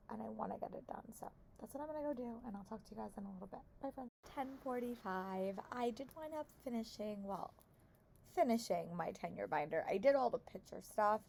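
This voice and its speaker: A young adult woman with a hoarse voice chatting casually about her reading and teaching day, rambling with many fillers. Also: medium pitch, warm tone. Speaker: book vlogger and theater teacher. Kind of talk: casual vlog chat.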